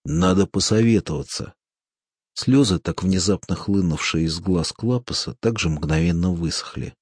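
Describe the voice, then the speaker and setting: A man with a very low voice and a husky edge narrates a novel aloud at a steady, measured pace. The recording is dry and close. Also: no echo. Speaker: audiobook narrator. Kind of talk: scripted narration.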